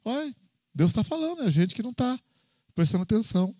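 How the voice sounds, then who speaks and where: Here the same kind of informal sermon comes from a pastor with a Brazilian Portuguese accent, who recounts personal anecdotes and keeps asking lively tag questions. His pitch is high, his delivery quick, and there's no room sound.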